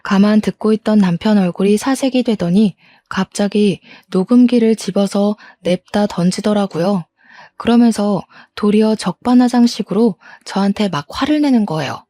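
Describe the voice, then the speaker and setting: A woman's voice: medium pitch, moderate pace, warm tone, no room sound, clean studio sound. A woman telling a personal story as scripted first-person narration, in a confiding way.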